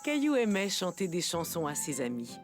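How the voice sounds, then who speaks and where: A woman narrating a children's cartoon in a calm, clear storytelling tone. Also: lowish voice, moderate pace. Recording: studio narration with music bed.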